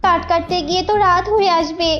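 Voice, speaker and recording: A woman's voice: very high voice, fairly even intonation, a little fast, pitched above the performer's own voice. A woman voicing an anxious, caring fox wife in a cartoon, with a worried, pleading manner. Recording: dull lo-fi audio with loud music.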